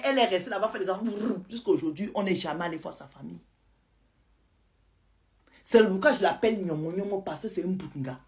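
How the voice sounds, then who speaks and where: A woman, telling a listener's story to her audience in a lively, dramatic way. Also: medium pitch. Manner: lively, retells a follower's account in first person. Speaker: storyteller host.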